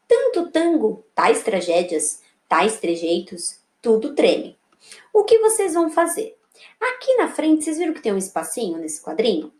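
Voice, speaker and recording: A Brazilian woman teaching small children from a workbook, her slightly high voice swooping up and down as she drags out words and keeps checking in with them. The sound bounces around a bare, echoey room. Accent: Brazilian Portuguese. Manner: slow, sing-song teacher voice, often checking with "né?" and "tá bom?". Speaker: primary school teacher. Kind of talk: recorded remote lesson walking through a workbook.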